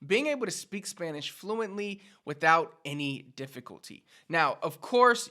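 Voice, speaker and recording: A Puerto Rican man with a Puerto Rican accent gives an upbeat Spanish lesson straight to the viewer. His voice sits a little high and rings bright and forceful. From Puerto Rico. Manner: upbeat, instructive, addresses viewers directly. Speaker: Spanish teacher. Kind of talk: direct-to-camera language lesson.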